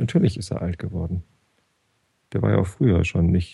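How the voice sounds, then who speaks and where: A man speaks at a very deep, low pitch with a dark, mellow tone that is somewhat breathy. His intonation is lively and his pace fairly quick. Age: 30s. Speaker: caller. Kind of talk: casual chat. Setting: Skype call at home.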